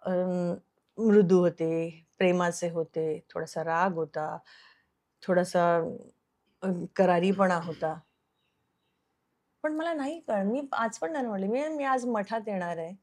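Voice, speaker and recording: Earnest actress telling a personal story. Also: female voice, on the low side, expressive, unhurried, long pauses, darkish tone. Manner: earnest, recounts events by acting out quoted dialogue; slips English phrases into her speech. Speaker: television actress, interview guest.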